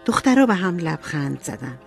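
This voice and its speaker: A woman narrating an audiobook in an expressive storytelling manner. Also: fairly low pitch, gravelly, music in the background.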